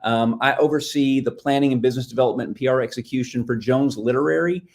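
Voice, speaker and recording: A man's voice: mid-range voice, fast, a little mellow. A man who works as a book publicist, presenting casually as a guest expert on a live stream, with frequent ums and restarts. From Nashville-based. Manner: casual, filler-heavy, restarts.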